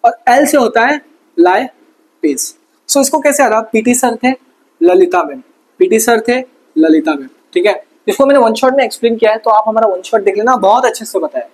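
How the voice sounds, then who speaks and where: A man teaching a fast exam revision lesson, casual and chatty, asking quick questions and answering them himself. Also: very high-pitched, lively intonation, breathy edge, poor audio. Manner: quizzes himself with quick call-and-response questions. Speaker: science tutor.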